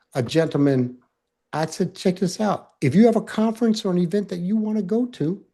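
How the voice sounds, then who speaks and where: Over a quiet background, a man with a dark, mellow tone and a high pitch talks at a fairly quick pace with lively intonation. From Alaska. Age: 60s. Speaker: author and mentor. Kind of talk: podcast interview.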